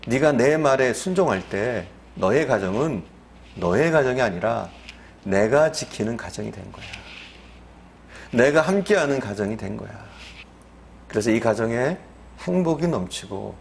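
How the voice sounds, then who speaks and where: A man's voice: medium pitch, lively intonation, a little slow, gravelly, a little hiss or hum. A man voicing the Lord in a sermon story, speaking tenderly and coaxingly, as if to a child. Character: the Lord, a gentle fatherly male voice. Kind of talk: acted quote within a sermon.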